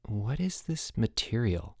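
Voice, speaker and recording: A sullen boy at camp, as a male audiobook narrator plays him, aloof and unimpressed. He talks softly and flatly, with dry sarcasm. The recording is close and dry. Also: lowish voice, slow pace, gravelly, no echo, full character voice. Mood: flat, mild. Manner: quiet, flat, dry.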